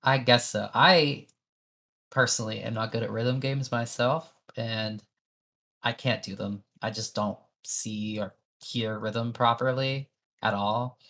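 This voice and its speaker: A man co-hosting a podcast, chatting casually about game demos, joking at his own expense in quick bursts. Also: medium pitch, steady tone, pushed and bright. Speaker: podcast co-host.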